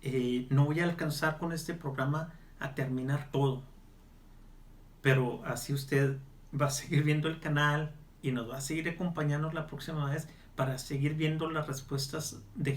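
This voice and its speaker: Male evangelist, fairly high voice, earnest pleading delivery for a televised Bible study and prayer. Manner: earnest, pleading, speaks straight to the listener. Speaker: evangelist pastor.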